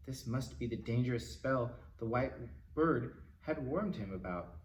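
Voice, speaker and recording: A man reading a children's picture book aloud as a storytime host, in an expressive, dramatic manner with asides to the listeners. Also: mid-range voice, measured pace. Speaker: library storytime reader. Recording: roomy, distant mic, faint noise.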